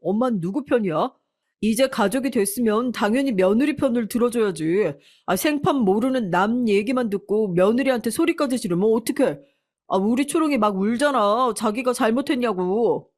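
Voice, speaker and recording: A woman's voice: on the high side, animated, normal speed, darkish tone, pitched above the performer's own voice. An indignant grown son whining defensively at his mother, as a woman storyteller acts him out. The voice stays close to the narrator's own, only a little raised and petulant. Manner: complaining, defensive. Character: adult son, indignant and whiny.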